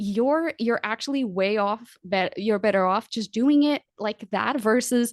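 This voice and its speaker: In a dry, close recording with no echo and a quiet background, a woman with a non-native accent talks at a moderate pace in a fairly high pitch with ordinary pitch variation. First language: not English. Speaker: podcast strategist. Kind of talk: interview conversation. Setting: podcast interview. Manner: conversational, many fillers and restarts.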